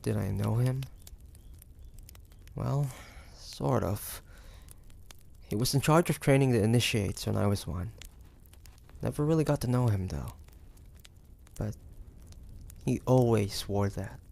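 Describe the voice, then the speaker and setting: A man voicing a wary, stubborn demon hunter from the 1850s in a dramatic audio roleplay, with halting, pointed delivery. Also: lowish voice, creaky, a little mellow, exaggerated voice. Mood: shaken, subdued. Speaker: voice actor.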